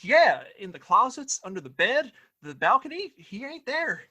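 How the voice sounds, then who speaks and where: A man acts a cocky sheriff in a Western radio play, the boss's threatening yet obedient son. His high, bright voice moves in lively swings, with folksy, rough grammar. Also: moderate pace, heavily acted. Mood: calling out. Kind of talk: Western audio play acting.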